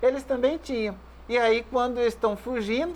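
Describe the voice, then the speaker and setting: A man speaks with a slight northeastern Brazilian accent. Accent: slightly northeastern Brazilian. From Brazil, Vale do Jequitinhonha, Minas Gerais. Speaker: deacon, Bible study co-host. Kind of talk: Bible study discussion.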